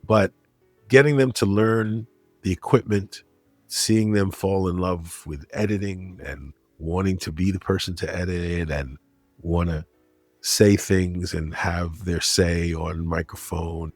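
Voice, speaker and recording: Deep husky man, dry close sound. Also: dry recording. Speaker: interview guest, critic and broadcaster. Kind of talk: conversational interview.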